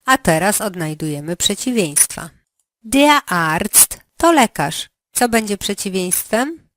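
Female teacher voice, unhurried and precise, dry studio sound. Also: mid-range voice, big pitch swings, a bit bright, no echo. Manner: slow, carefully articulated prompting. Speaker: language teacher. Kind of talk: language lesson drills.

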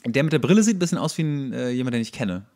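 A man's voice: mid-range voice, animated, rapid-fire, darkish tone. A young man hosting a podcast, commenting casually on a TV show in a dry, sarcastic, colloquial way. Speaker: podcast host.

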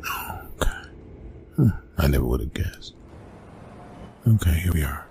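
A man playing a gruff, reluctant young college bully in an ASMR roleplay, talking in a hushed, halting, casual way. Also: rumbling low, sing-song, a little hiss or hum, heavily acted. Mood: grudging, hesitant. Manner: hushed, halting, casual, often breathy whispering. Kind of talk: ASMR roleplay, intimate one-sided dialogue.

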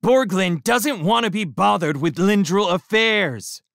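A man's voice: very deep voice, slow, slightly rough, dry recording, clean studio sound, voice pushed down, heavily acted. A man voicing a short, hostile ship crewman who snaps and sneers. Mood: snapping. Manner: snapping, sneering.

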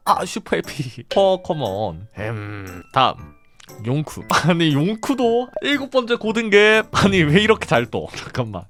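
Lively, excitable man calling gacha pulls. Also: on the high side. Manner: excitable, chatty reactions to each pull. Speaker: game channel host. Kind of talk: gacha pull commentary.

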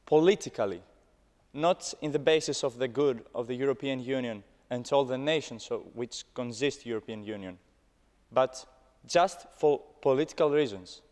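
A man's voice: mid-range voice, darkish tone. A young man with a Greek accent, a student speaking his opinion from the floor, emphatic and repeating phrases. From Greece. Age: young adult. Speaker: student audience questioner. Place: large parliament chamber. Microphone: desk microphone, standing. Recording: echoey large hall, long reverb.

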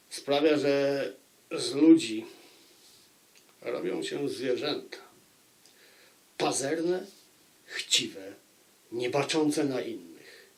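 Slow, deliberate man reviewing a book. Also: medium pitch, darkish tone. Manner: deliberate, with dramatic pauses and repetition for emphasis. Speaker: book review channel host. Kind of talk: informal spoken book review to viewers.

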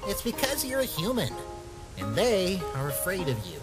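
A woman's voice: mid-range voice, wildly swooping pitch, moderate pace, over loud music, low-quality recording. A woman voicing an anxious, protective talking flower in a comic dub, earnest and cautioning. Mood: worried.

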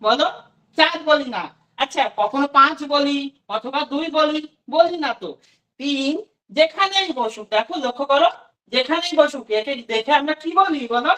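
A woman's voice: high voice, lively intonation, normal speed, fairly bright tone, distant mic, rough recording. A woman teaching a demo class to imagined children, asking questions and then answering them herself.

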